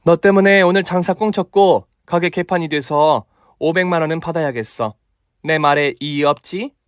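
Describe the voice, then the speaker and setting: A feisty older mother in a comic radio drama, acted out by a man, pitched well up in a dry close sound. She is bossy and vengeful, throwing out bombastic martial-arts threats like the tough owner of a chicken restaurant. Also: lively intonation, moderate pace, fairly bright tone, no room sound. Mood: triumphant, demanding.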